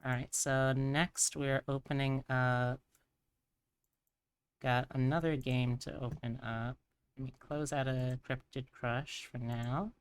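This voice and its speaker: A woman's voice: very deep voice, fairly even intonation, slow pace, clean tone. A woman hosting a casual live stream, chatting and thinking aloud in a rambling way. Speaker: streamer host.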